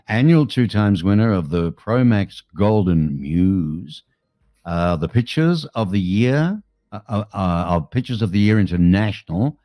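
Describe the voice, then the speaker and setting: Deep-voiced Australian man hosting a chat show. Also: a little mellow, no echo, clean studio sound. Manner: chatty, matey, colloquial. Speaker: show host. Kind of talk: casual interview hosting.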